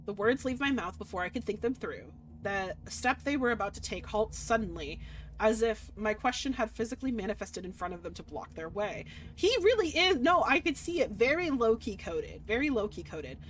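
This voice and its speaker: A woman game streamer reading a visual novel aloud dramatically and adding casual, expressive commentary. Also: fairly high pitch, moderate pace, a little hiss or hum, low-quality recording. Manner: expressive, reactive.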